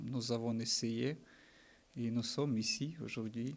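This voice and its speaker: His voice has a dark, mellow quality. The man keeps his delivery flat and monotone. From Ukraine. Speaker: immigrant French learner; interviewee. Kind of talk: interview testimony. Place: studio. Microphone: studio mic.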